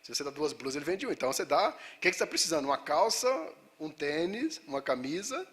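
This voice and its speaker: A man's voice: fairly high pitch, big pitch swings, fast talker, a bit bright. A man with a Brazilian accent giving a spiritist talk, telling personal stories earnestly with frequent restarts. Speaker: spiritist lecturer.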